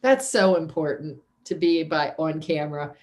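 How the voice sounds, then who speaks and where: Laughing frequently, a woman instructor chats and apologizes while casually ending her online class on a video call, captured by her computer mic. Her voice is deep and somewhat dark, with lively intonation at a normal speed.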